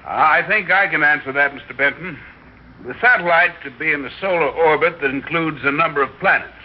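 An actor playing a confident professor who explains a scientific finding in a vintage radio drama. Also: male voice, on the high side, fairly quick, close to an everyday voice. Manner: assured, explanatory. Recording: dull old radio recording with faint noise.

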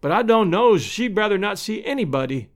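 Man voicing a high-pitched, kindly country wife. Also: big pitch swings, a little fast. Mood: sorrowful. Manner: folksy, exclaiming and fretful. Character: cheery, kind-hearted, talkative rural married woman. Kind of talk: storybook character voice.

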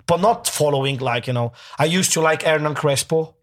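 A man with a fairly high voice talks in a casual chat. He hesitates often and fills gaps with "like" and "you know". His phrasing sounds non-native. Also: fairly quick.

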